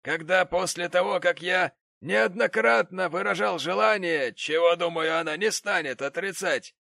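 A man's voice: sits high, moderate pace, gravelly, sharp tone, no room sound, voice pushed up, heavily acted. A man voicing a pompous, indignant rich middle-aged father who owns a foundry, in an audiobook reading.

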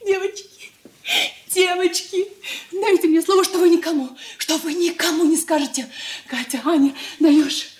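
A woman's voice: very high voice, steady tone, moderate pace, a little mellow. Elena, a troubled young woman. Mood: pleading. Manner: pleading, emotional. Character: poor young woman relative Elena, emotional. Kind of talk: 1980s radio drama acting. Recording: roomy room.

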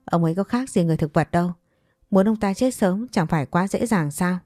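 Woman playing a scheming stepmother who argues back, low mellow voice. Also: fairly quick, no room sound, studio quality, faint music behind, lightly acted. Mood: quarrelsome. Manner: argumentative, defiant.

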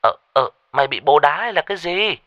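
A man's voice: on the high side, expressive, brisk, a bit bright, no echo, lo-fi sound, voice pushed up. A man voicing a practical young woman who questions her frightened friend in a ghost story. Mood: concerned.

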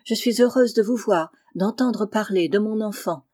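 A woman voicing a poor, tender-hearted peasant mother in an audiobook, speaking softly and humbly. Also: mid-range voice, moderate pace, lightly acted. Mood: humble. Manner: soft, humble and emotional. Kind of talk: audiobook character reading.

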